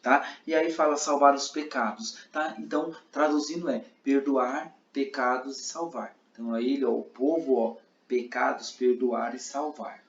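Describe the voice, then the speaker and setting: A man's voice: mid-range voice, steady tone, moderate pace, few pauses, slight background noise. Man teaching in a roomy, dull-sounding room. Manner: explains with many checks like "tá?" and demonstrates lines aloud. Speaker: sign language interpreting teacher. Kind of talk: teaching a class.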